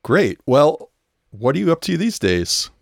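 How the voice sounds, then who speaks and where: A man's voice: fairly high pitch, very animated, measured pace, vocal fry, no room sound, studio quality. A man hosting an interview, responding with brief, encouraging affirmations and introducing the next segment. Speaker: host. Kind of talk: casual interview talk.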